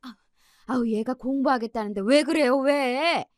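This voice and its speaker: A woman voicing a patient middle-aged mother who talks softly and coaxingly. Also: high-pitched, moderate pace, dry recording, studio quality, voice pushed up, close to an everyday voice. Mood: firm protective. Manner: soft, coaxing, caring.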